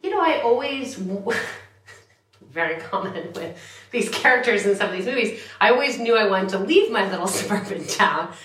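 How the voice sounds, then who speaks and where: A woman's voice: mid-range voice, lively intonation, moderate pace, a bit bright, echoey room. A woman in her forties, a journalist guest chatting casually about growing up, with laughing, self-deprecating asides. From United States. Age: 40s. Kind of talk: casual interview. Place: London.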